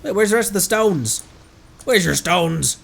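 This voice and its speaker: A game streamer thinking out loud casually while playing, in a live commentary style. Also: medium pitch, animated, measured pace, creaky, slight background noise.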